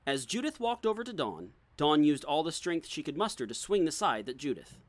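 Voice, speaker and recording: A man's voice: a little high, sing-song, a little fast. A man reading scripted dramatic narration as the narrator of a story. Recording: clear background noise, clicks.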